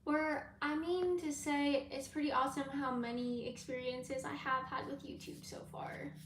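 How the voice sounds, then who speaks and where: A woman who reads tarot, chatting with viewers in a live question-and-answer stream. She rambles in a laid-back way and fills pauses with ums and likes. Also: sits high, fairly even intonation, fairly bright tone, slight background noise. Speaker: tarot reader and YouTuber. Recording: echoey room.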